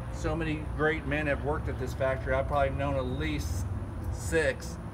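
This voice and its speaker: Noticeable background noise fills the recording. Over it, a man talks at a moderate pace. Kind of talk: casual vlog chat. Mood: nostalgic, a bit sad. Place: street. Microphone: phone near.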